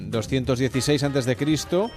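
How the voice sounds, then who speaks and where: A man's voice: mid-range voice, moderate pace, over music. A man hosting a late-night radio show, reading the day's events and teasing a guest in playful banter.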